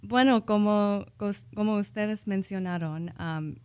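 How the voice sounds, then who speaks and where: A woman's voice: medium pitch, slow, a little mellow, clean tone. A woman, speaking Spanish as a later language, answering interview questions carefully and correcting herself as she goes. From United States. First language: not Spanish. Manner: careful, thoughtful, self-correcting. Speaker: guest, social work professor.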